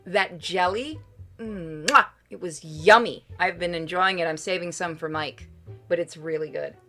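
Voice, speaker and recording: A woman's voice: fairly low pitch, measured pace, fairly bright tone, soft background music. A woman streaming a game casually, playful and informal, chatting and reading aloud. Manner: playful, informal, swears freely. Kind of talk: casual livestream chat and read-aloud game narration.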